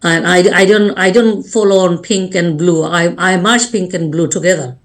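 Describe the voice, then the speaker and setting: A woman's voice: on the low side, steady tone, normal speed. A woman from Bangladesh, speaking earnestly as a life coach and guest on a radio interview. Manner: earnest, speaks in short restarting phrases.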